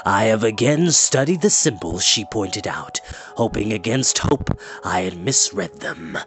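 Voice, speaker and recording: A man voicing a grave, troubled aged enchanter in a fantasy story, speaking slowly and haltingly. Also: lowish voice, animated. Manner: slow, halting, solemn. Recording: music playing in the background.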